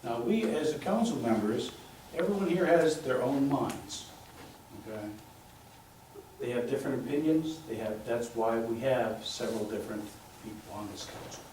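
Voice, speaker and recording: Gruff, loud male councillor, blunt and defiant; very echoey room, distant mic. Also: medium pitch, lively intonation, normal speed, a little hiss or hum. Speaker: council member. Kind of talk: meeting debate. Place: council chamber. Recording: very echoey chamber audio from far off.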